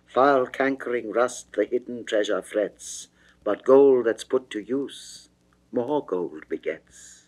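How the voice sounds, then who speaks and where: A man voicing a seductive goddess of love who pleads passionately, in a theatrical, declamatory and measured classical verse reading. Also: mid-range voice, darkish tone, low-quality recording. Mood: urgent persuasion.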